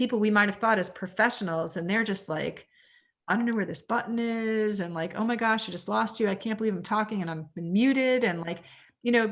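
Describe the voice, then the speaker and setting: On a very clean recording with a silent background, a woman with a Canadian accent speaks at medium pitch and a fairly quick pace, with ordinary pitch variation. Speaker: real estate sales trainer. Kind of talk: training workshop. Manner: animated, casual.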